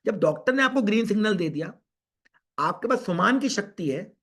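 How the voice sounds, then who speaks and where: Husky man lecturing earnestly. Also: sits high, expressive, a little fast, a bit bright. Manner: earnest, repetitive, mixes English into Hindi. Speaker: psychiatrist speaker. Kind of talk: online lecture. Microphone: video call.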